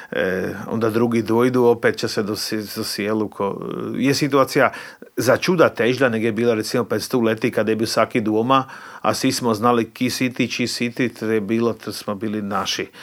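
A man's medium-pitched, plain, everyday voice at a moderate pace with fairly even intonation, in a very clean recording with a silent background. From Slovakia, Croatian village near Bratislava. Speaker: cultural activist and choir leader. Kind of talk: interview.

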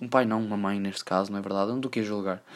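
A man speaks with a strong Porto accent. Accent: strong Porto (northern Portuguese). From Portugal, Porto. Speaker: solo podcaster. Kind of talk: casual monologue.

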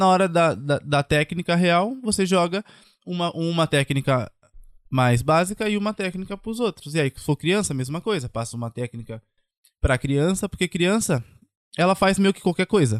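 A high-pitched man at a moderate pace with lively intonation. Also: dry, close sound with no echo. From Brazil, Santos (São Paulo coast). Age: 20s. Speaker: jiu-jitsu instructor, immigrant. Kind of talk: casual interview.

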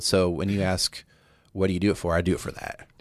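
A man with an American accent and a very deep, low pitch, on a very clean recording with a silent background. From central Illinois, US Midwest. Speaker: racetrack owner and race promoter. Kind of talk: interview.

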